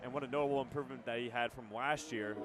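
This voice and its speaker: A man's voice: mid-range voice, fairly even intonation, rapid-fire. A young man with an American accent giving conversational live football analysis on radio, now and then stumbling over words. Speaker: color commentator.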